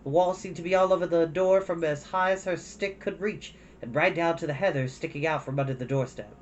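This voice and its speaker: A man's voice: a little high, fairly quick, highs cut off, a little hiss or hum. A man hosting an online storytime, chatting casually and reading a storybook expressively. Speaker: host of an online storytime show. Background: background music.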